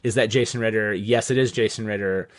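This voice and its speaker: A man's voice: on the low side, steady tone, a little fast, no echo. Rambling man on a podcast, dry sound. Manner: rambling, peppered with "like" and swearing. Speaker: podcast host. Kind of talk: casual podcast chat.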